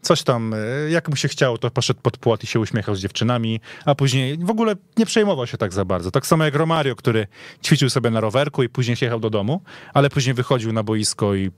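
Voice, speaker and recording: A man's voice: mid-range voice, lively intonation, quick pace, no room sound. A man chatting casually and emphatically about football as a guest on a studio show. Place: radio studio.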